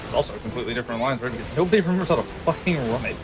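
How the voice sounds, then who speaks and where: A man's voice: mid-range voice, expressive, racing, noisy background. A man playing a game with a friend, chatting casually in a dry, blunt way and swearing offhand. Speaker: co-player. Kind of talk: casual gameplay chat.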